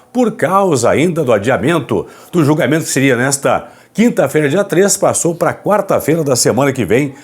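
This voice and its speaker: A man presenting football news commentary to viewers, speaking softly with a hoarse, raspy voice as he recovers from a throat problem. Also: medium pitch. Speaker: sports commentary host.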